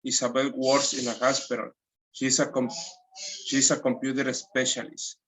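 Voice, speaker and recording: Mexican guy teaching english, pretty monotone, reads slow, stumbles and restarts. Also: mid-range voice, poor audio. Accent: Mexican Spanish. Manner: reads slowly, with restarts and nonstandard grammar. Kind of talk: textbook lesson, repeating audio lines.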